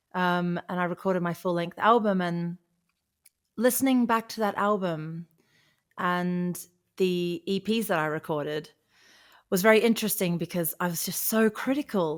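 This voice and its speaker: In an Australian accent, a woman speaks at a medium pitch and a moderate pace. Her pitch varies in an ordinary way, and the recording is very clean with a silent background. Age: 40s. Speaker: singer and vocal coach. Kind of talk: interview conversation. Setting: podcast.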